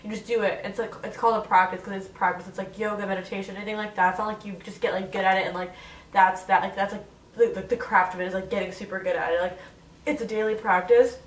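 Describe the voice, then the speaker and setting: A woman's voice: mid-range voice, fairly even intonation, fast, roomy sound, recorded from a distance, rough recording. A young woman in her twenties with a stuffy, congested nose, chatting casually to camera in a Q&A vlog and filling her talk with "like". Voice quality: nasal. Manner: chatty, full of "like" fillers. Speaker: vlogger. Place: bedroom, on her bed.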